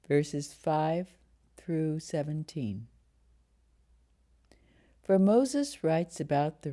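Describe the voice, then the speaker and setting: A woman reading scripture aloud in a solemn, measured way, as a lay reader in church. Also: low-pitched, warm tone.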